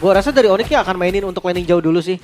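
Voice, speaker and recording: A man commentates on a live game with a very high-pitched voice. He explains plays casually and breaks into excited calls, over light background music. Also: racing. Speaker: esports analyst commentator.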